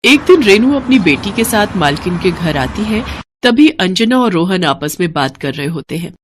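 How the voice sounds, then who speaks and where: A woman's voice: fairly low pitch, big pitch swings, moderate pace, a little hiss or hum. A woman storyteller reading a scripted tale as narrator.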